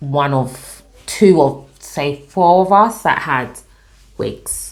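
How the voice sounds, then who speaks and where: With a London accent, a woman speaks with ordinary pitch variation against audible room echo. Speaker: vlogger. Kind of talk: casual storytime monologue.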